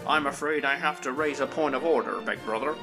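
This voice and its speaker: A man playing a polite but treacherous government minister in a comedy audio drama, deadpan and deferential. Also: mid-range voice, brisk, music in the background, close to an everyday voice. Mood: smugly treacherous.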